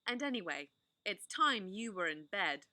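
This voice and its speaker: A woman's voice: mid-range voice, very animated, measured pace, bright, forceful tone, dry recording, full character voice. A woman voicing a prim, motherly older girl in a storybook reading.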